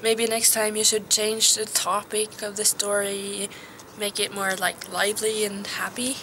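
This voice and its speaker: Teen girl, soft and hesitant, occasional whispers, casual outdoor vlog, faint background ambience. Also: mid-range voice, level tone, unhurried, noisy background. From Norway. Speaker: vlogger.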